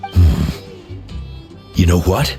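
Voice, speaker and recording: A man voicing an earnest, grave tribal leader in a video game, deliberate and dramatic. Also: sits low, vocal fry, warm tone, faint music behind, heavily acted. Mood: pondering. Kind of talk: video game character dialogue.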